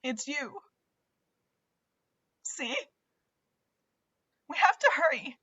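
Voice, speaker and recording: A woman playing a desperate, fiercely emotional young woman in a script read, urgent and halting, over a dull video call line. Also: high-pitched, lively intonation, sharp tone, dry recording, heavily acted. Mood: desperate pleading. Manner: urgent, pleading, halting with repeated words. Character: Max, desperate young woman pleading with her dying mother, fiercely emotional. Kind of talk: table read acting of a horror film script.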